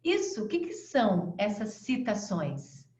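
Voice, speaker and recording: A woman with a Brazilian accent teaching an online class, acting out fast, slow and melodic ways of speaking as examples. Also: wildly swooping pitch, a little mellow. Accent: Brazilian Portuguese. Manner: demonstrates voice tones, shifting pace and pitch. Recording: echoey, dull lo-fi sound.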